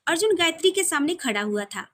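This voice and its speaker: A woman with a high voice narrates romantic fiction. She reads from a script as a storyteller. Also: big pitch swings, fast, a bit bright.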